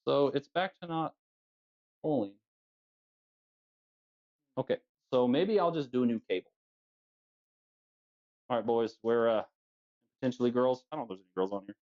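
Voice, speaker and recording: A man hosts a casual livestream from a basement room at home, chatting while he works on bikes. He jokes around and laughs easily and often. His medium-pitched voice has a darkish tone and a moderate pace with long pauses, and the sound is lo-fi.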